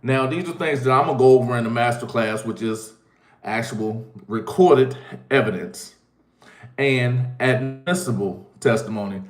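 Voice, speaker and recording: A congested man talks through legal rules in a relaxed, conversational way, slowing down to lean on the phrases that matter. His voice sits at an ordinary middle pitch. The room around him is noticeably echoey. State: congested, stuffed-up nose. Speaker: legal commentary host. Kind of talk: explanatory legal talk to camera.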